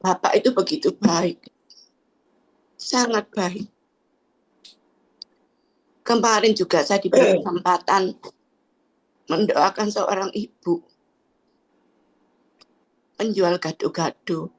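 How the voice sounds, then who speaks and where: A woman's voice: mid-range voice, takes it slowly, long pauses, poor audio. A woman giving a personal faith testimony in church, speaking in hesitant, trailing phrases with frequent fillers.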